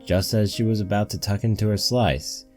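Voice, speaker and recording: Deep, dark-voiced man narrating a story. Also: normal speed, faint music behind. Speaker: narrator of a fan fiction reading.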